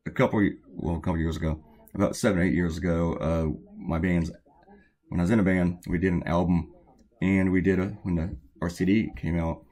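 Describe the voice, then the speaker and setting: A man chatting casually as he draws, telling rambling stories with lots of fillers, his voice a little hoarse and weak. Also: deep voice, fairly even intonation, a little fast, darkish tone. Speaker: cartoonist. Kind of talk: casual chat while drawing.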